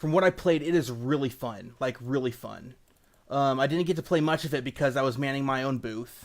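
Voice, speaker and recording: At a fairly quick pace, a man with a medium pitch and ordinary pitch variation is heard on a very clean recording with a silent background. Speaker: indie game developer. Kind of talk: live stream dev commentary. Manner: halting, many fillers.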